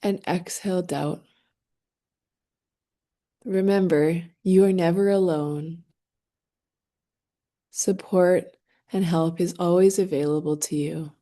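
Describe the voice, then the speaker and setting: A woman leading a guided meditation, speaking gently and soothingly in short phrases with long, unhurried pauses. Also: on the low side, fairly even intonation.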